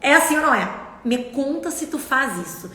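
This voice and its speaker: A woman's voice: high voice, expressive, brisk, bright, forceful tone. A middle-aged woman, hosting a casual motivational live talk, chatty and talking straight to her audience. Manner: chatty, asks the audience, reads comments aloud. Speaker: live stream host and speech therapist. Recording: echoey room with long reverb.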